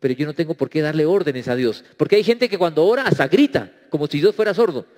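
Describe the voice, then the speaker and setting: A man's voice: on the high side, animated, quick pace, darkish tone. A man preaching a sermon as pastor, emphatic and acting out quoted prayers. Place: church. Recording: reverberant church hall.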